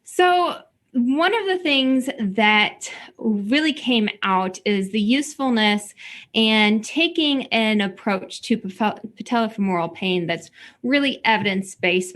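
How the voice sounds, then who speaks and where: A female podcast host with a voice in a middle range. She asks her guests measured, careful questions. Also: medium pitch, a bit bright. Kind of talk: interview hosting.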